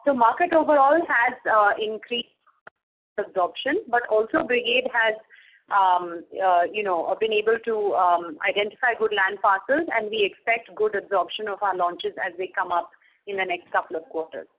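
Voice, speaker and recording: A woman with an Indian accent answering as a company executive on an earnings call, measured and business-like. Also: medium pitch. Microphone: telephone conference call. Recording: tinny, narrow phone line.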